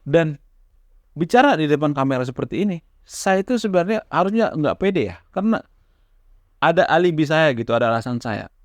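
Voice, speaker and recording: A man's voice: a little high, expressive, brisk, no room sound, studio quality. A man talking casually to camera as a YouTube host, stammering now and then and restarting his words. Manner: stammers at times, restarts words, conversational fillers. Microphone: camera mic, close.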